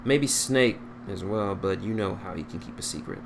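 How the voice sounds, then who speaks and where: A man's voice: low voice, normal speed, creaky, background noise. A man voicing a blunt, teasing female space bounty hunter in a storybook reading, matter-of-fact in manner.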